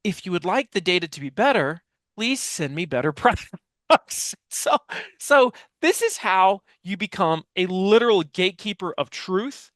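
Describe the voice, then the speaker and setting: A man's voice: high-pitched, lively intonation, normal speed, fairly bright tone, no room sound, clean studio sound. An American man in his forties giving an explanatory interview answer as a guest speaker, emphatic, using repetition and rhetorical questions, on a headset microphone. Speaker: podcast guest, author and business speaker. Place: small dim home office, video call.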